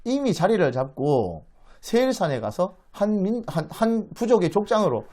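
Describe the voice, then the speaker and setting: A high-pitched man speaking at normal speed turns his Bible lecture into a dramatic tale. Full of animation, he acts out the quoted speech and directs questions at the audience.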